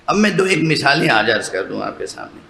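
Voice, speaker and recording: Gravelly-voiced man preaching in an echoey hall. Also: mid-range voice, sing-song, sharp tone. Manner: explanatory, asks listeners rhetorical checks. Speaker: religious scholar addressing a mourning gathering. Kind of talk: sermon lecture. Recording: echoey hall with faint background noise.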